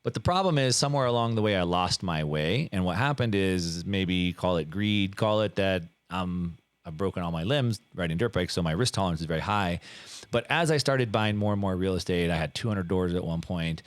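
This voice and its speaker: A middle-aged man telling his life story in a casual interview, animated and full of fillers and restarts. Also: low voice, brisk, no room sound. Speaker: guest.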